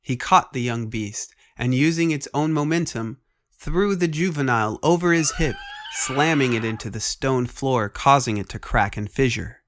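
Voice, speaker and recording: A man's voice: mid-range voice, animated, normal speed. A man reading scripted dramatic fiction as the narrator of a story. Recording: loud music under voice. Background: music.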